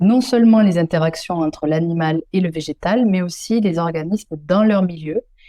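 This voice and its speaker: Speaking with a southwestern French accent, a woman keeps a moderate pace and a fairly low pitch with ordinary pitch variation and hardly any pauses. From southwest France, Pyrenees. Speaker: ecologist. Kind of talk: interview. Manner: hesitant, many fillers.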